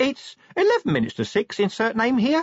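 This man puts on a character voice. His pitch is extremely high. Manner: defensive, then meek.

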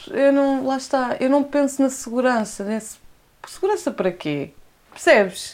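Lively intonation marks this woman's speech. Her pitch is high. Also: moderate pace. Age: 30s. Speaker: nurse. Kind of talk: casual chat.

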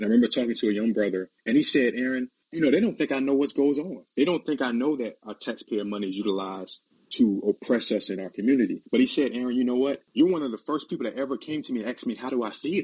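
A man at a medium pitch, very fast pace with hardly any pauses, and ordinary pitch variation. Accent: American. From US South. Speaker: lawyer, voting rights advocate. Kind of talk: casual chat.

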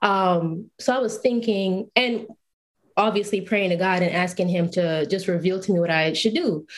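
At a moderate pace, a woman with a plain, everyday voice speaks at medium pitch with ordinary pitch variation. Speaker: UX UI design student and photographer. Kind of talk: casual chat.

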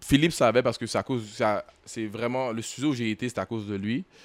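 Here a man with an unremarkable speaking voice talks fairly quickly at a medium pitch, his intonation fairly even and the sound dry and close with no echo. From Montreal, Quebec (Little Burgundy, Haitian family). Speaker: rapper. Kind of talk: casual interview chat.

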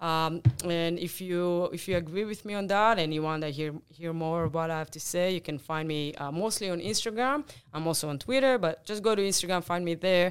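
A woman with an Israeli accent speaks at a fairly quick pace, her fairly low pitch showing ordinary pitch variation. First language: Hebrew. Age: 30s. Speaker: activist. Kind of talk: casual interview.

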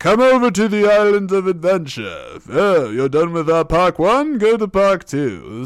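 Putting on a character voice, a man speaks at a moderate pace in a high pitch, with very wide swings in pitch. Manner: silly, exaggerated, cheery.

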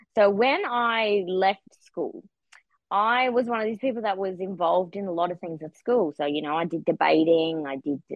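In an Australian accent, a woman speaks at a medium pitch with lively intonation. She keeps a moderate pace. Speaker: elite runner. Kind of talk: interview chat.

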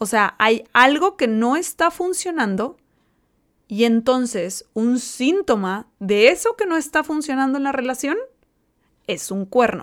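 A woman's high-pitched voice with very wide pitch swings at a fairly slow pace, on a very clean recording with a silent background. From northern Mexico, Torreón. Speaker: psychologist and podcast host. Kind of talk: advice podcast monologue. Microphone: new microphone.

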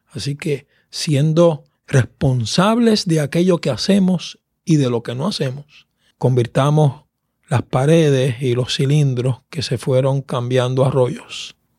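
Somewhat breathy speech at a fairly slow pace, with ordinary pitch variation, comes through on a very clean recording with a silent background. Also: man. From Puerto Rico, Caguas. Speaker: pastor and seminary dean. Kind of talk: casual chat. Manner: halting.

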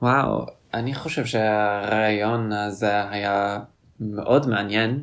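A man with an English accent talks at a very slow pace. The recording is very clean, with a silent background. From US Midwest, Cincinnati, Ohio. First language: English (speaking Hebrew). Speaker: podcast co-host and student volunteer. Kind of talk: casual chat.

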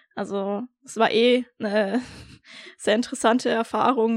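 Recorded dry and close with no echo, a woman speaks at a fairly high pitch. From Baden-Württemberg, Germany. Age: 20s. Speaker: bodybuilding podcaster. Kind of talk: casual monologue.

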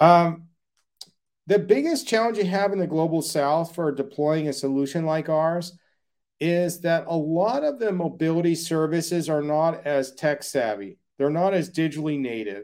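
In a very clean recording with a silent background, a man with an American accent and an ordinary speaking voice talks at a moderate pace, fairly high in pitch with ordinary pitch variation. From United States. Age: 50s. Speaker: startup founder. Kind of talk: interview.

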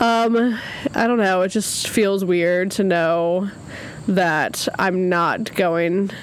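A woman speaks at a very slow pace and a medium pitch, with fairly even intonation and very even loudness. Noticeable background noise is present. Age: 30s. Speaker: podcast co-host. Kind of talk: casual chat. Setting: outdoors.

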